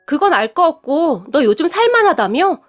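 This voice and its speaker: Storybook figure: high-pitched sneering aunt, greedy and scheming, read by a woman narrator, faint music under. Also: sing-song, normal speed. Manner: sneering, taunting.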